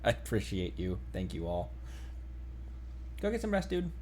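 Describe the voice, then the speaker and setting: A man's voice: sits low, huge pitch swings, normal speed, darkish tone, slight background noise. A man streaming a game, chatting casually with viewers in a playful way and reading along. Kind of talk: casual live-stream commentary.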